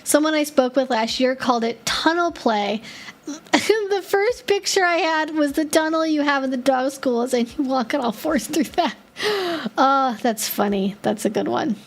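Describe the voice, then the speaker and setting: A woman's voice: sits high, expressive, unhurried. A woman hosting a casual live-stream Q&A, answering viewer questions in a chatty way, with lots of filler words as she thinks aloud.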